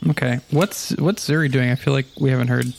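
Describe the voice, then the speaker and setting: A man's voice: medium pitch, steady tone, fast, creaky, a little hiss or hum. A man chatting casually as a player in a tabletop roleplaying game.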